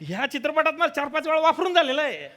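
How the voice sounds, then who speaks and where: An actor playing a meek production assistant, apologetic and grumbling, in a stage comedy sketch. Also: male voice, very high voice, very animated, fast talker, sharp tone, full character voice. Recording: noisy stage audio.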